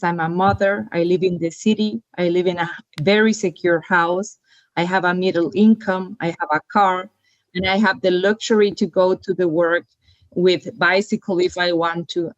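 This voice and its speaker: A woman's voice: on the low side, no room sound, highs cut off. A woman from El Salvador, speaking earnestly on a panel with frequent restarts. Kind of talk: prepared panel talk.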